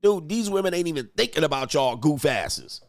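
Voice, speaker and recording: A dating coach gives provocative reaction commentary on clips in a slightly high, very animated voice, talking a little fast. The clean studio sound has no room noise, and he's brash, profane and mocking, punching words with sudden swells of emphasis.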